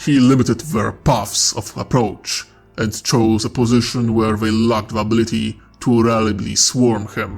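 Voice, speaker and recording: Over music in the background, a man does a put-on character voice at medium pitch and a moderate pace. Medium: read story. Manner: blunt, clipped.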